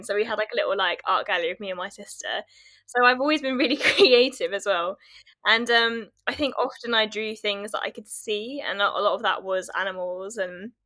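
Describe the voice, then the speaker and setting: A young woman from North Yorkshire, a guest on a podcast, talking about her art in a bright, clear voice. She chats casually and cheerfully and laughs easily between her sentences. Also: mid-range voice. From North Yorkshire, England. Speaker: guest, wildlife artist. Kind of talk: casual interview chat. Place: home room.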